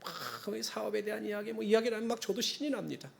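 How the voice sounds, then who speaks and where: High-voiced Korean pastor preaching. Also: male voice, racing, creaky. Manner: earnest preaching with blessing formulas; conversational asides and acted-out quotes. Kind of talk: sermon.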